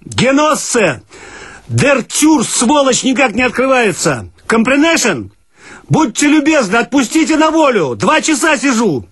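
Guy doing a squealing desperate poet stuck in a loo, husky, begging in bad german. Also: wildly swooping pitch, a little slow, a bit bright, no room sound, full character voice. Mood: desperate pleading. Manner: pleading, shrill, broken German. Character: panicked male Soviet poet locked in.

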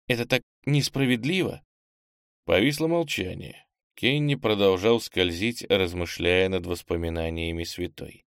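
A man narrating an audiobook in a fairly low voice with a gravelly edge. He reads in an even, measured way, and the recording is dry and close. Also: dry recording.

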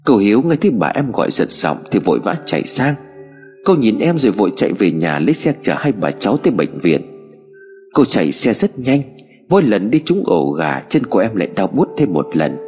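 A man's voice: on the low side, very animated, brisk, a little mellow. A man narrating a story expressively. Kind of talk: scripted narration. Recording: hall reverb with music bed.

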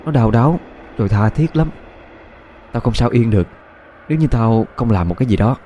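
A man voicing a stubborn, soft-hearted young woman, speaking earnestly in an audio ghost story. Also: medium pitch, expressive, a little fast, slight background noise, natural voice. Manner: earnest, pleading, sometimes hushed.

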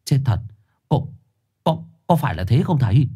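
A man's voice: mid-range voice, very animated, moderate pace, dark tone, breathy edge, pitched above the performer's own voice. A man voicing a frightened young man who stammers and trembles.

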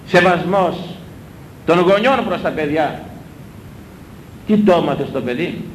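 A man preaching a sermon, scolding his listeners with rhetorical questions and hammering his points home through repetition. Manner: emphatic, repetitive exhortation. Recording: echoey room with low rumble.

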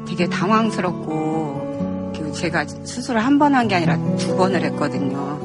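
Soft-spoken grateful woman. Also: lowish voice. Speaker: audience member. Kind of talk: personal account.

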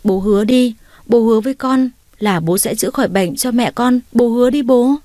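A woman's voice: a little high, normal speed, warm tone, no room sound, clean studio sound, voice pushed up, close to an everyday voice. Woman doing a small girl begging through tears. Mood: pleading. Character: small girl pleading tearfully.

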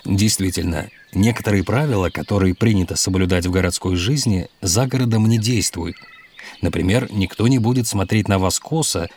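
A man playing a doctor out mushroom picking, who explains safety rules calmly and patiently. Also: deep voice, normal speed, slight background noise, lightly acted. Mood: instructive. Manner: calm, instructive, explains patiently.

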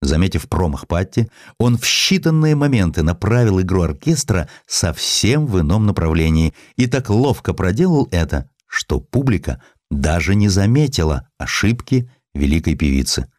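A man's voice: deep voice, sing-song, moderate pace, darkish tone, no echo, clean studio sound. A man reading a literary story as an audiobook narrator, in a theatrical, dramatic storytelling style.

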